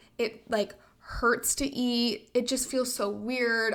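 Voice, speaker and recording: A woman in a normal speaking voice uses a fairly high pitch that shifts in an ordinary way. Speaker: life coach and podcast host. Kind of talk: casual solo podcast chat.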